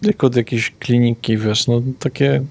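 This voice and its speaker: A man's voice: medium pitch, fairly even intonation, moderate pace, creaky, darkish tone. Man running a tabletop game. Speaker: game master.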